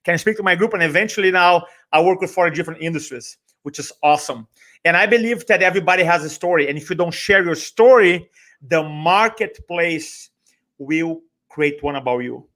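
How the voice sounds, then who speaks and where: Brazilian-accented male speaker trainer, middle-aged, fairly high voice, persuasive conversational delivery with emphatic repeats. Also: fairly quick, fairly bright tone. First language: Portuguese. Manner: emphatic, repeats phrases, rhetorical questions. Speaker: guest, speaker trainer and business owner. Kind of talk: conversational motivational talk.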